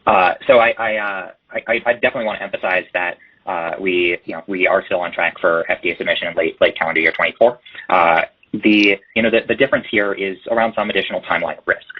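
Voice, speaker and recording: A man speaking as a company executive answering questions on an earnings call, halting and repeating words for emphasis. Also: sits low, steady tone. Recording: muffled, band-limited conference call line.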